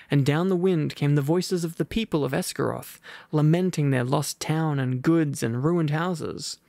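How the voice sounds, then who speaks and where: Gravelly man reading softly. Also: a little high, no room sound. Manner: soft, relaxed reading with muttered asides. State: drowsy after a heavy meal. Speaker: ASMR roleplay storyteller. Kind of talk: ASMR bedtime book reading.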